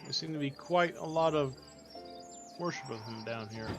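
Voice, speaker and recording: A man's voice: medium pitch, moderate pace, faint music behind. A man playing a tabletop game in casual chat, joking and wisecracking. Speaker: player.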